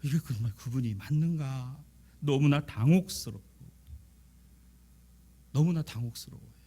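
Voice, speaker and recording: A middle-aged male pastor delivering an impassioned sermon, acting out the pleas of biblical figures and swinging from soft, near-whispered lines to loud, emphatic ones. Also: medium pitch, measured pace. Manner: impassioned preaching that acts out the voices of biblical figures.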